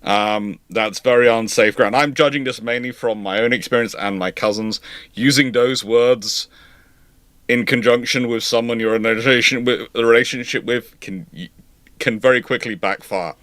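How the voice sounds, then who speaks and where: A man's voice: medium pitch, steady tone, moderate pace, fairly bright tone, dry recording. A man hosting a live question-and-answer stream, talking in a wry, discursive way with sarcastic asides. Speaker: host.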